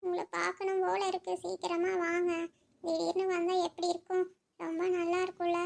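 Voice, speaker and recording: A woman's voice: completely flat delivery, vocal fry, darkish tone, full character voice. A woman voicing a young pregnant wife in a cartoon, longing for her husband who has been away. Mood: longing, teasing. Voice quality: very high and quick. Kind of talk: cartoon voice acting.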